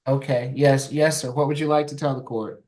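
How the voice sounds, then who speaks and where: A man's voice: medium pitch, level tone, a little fast, darkish tone. A man speaking as a judge in a formal court hearing, politely procedural as he directs the people before him.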